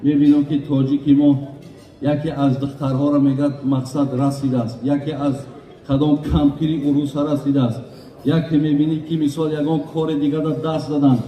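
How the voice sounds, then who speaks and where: A man's voice: on the high side, little pitch movement, warm tone. A man with a Tajik accent gives an earnest wedding sermon as a preacher, often addressing his listeners as brothers. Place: large echoey hall at a wedding. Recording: echoey hall, voice from far off.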